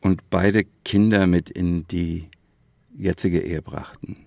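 Podcast co-host: man, lowish creaky voice, close dry sound, casual and conversational. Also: steady tone, slow pace, a little mellow, no echo. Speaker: podcast co-host, quiz poser.

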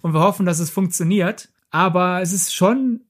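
A man's voice: high-pitched, normal speed. A man co-hosting a podcast, talking casually about films in long, winding sentences. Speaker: podcast co-host. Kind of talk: casual film discussion.

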